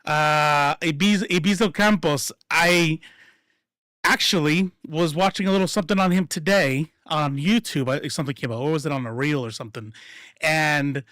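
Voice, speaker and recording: A man telling stories in casual chat, profane and animated, acting out what people said. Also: on the high side, moderate pace, no room sound, studio quality. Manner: profane, animated, acts out quotes.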